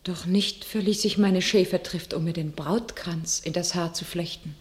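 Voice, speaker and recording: An actress playing a devout young shepherd maiden turned warrior, speaking solemn, declamatory classical verse in a radio drama. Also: female voice, on the low side, moderate pace, natural voice. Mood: proud, resolute.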